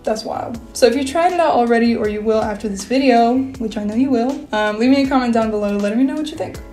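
Chatty young woman with a mellow voice. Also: a little high, fast talker, faint music behind. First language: English. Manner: chatty, lots of fillers, animated hand gestures. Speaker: vlogger. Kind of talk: casual talking-head vlog. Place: small bedroom, indoors.

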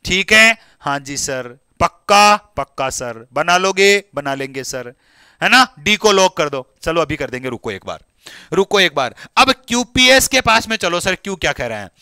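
A man's voice: on the high side, big pitch swings, moderate pace, bright, forceful tone, clean tone, no room sound, studio quality. A man teaching an English exam class live online, coaxing students and calling on them by name.

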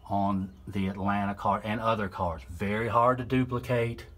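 A man's voice: on the low side, steady tone, normal speed, a bit bright. A man, the channel's host, walks around a car in an old barn, explaining its details plainly and methodically while filming on a phone. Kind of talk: walkaround narration while filming. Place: old open barn, indoors and out. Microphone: handheld phone camera.

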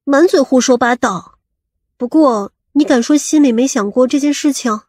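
A woman playing a sharp-tongued, suspicious woman in an audiobook, scolding and probing. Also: high-pitched, normal speed, husky, no echo, clean studio sound. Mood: scornful. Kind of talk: audiobook character acting.

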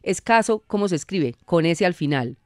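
A woman's voice: on the low side, lively intonation, normal speed, no echo. A Colombian woman explaining spelling rules patiently as a guest on a radio show, speaking in a studio. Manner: patient, didactic, laughs easily.

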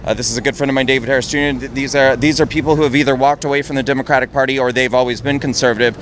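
Talking very fast in a steady, fairly bright mid-range voice, a male street interviewer and campaign activist makes an earnest, persuasive case in conversation. He's outdoors on a crowded city sidewalk with a handheld interview mic, and the recording picks up the noisy street and its traffic.

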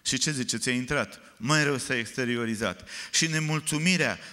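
A man preaching a sermon, telling stories with animated, often loud emphasis, recorded in a church. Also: mid-range voice. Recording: reverberant church hall.

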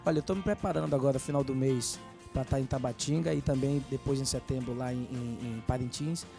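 A man's voice: mid-range voice, steady tone, brisk, gravelly, dark tone, soft background music. A man, a guest musician, chatting casually and gratefully on a live TV show about his career. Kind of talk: casual interview chat.

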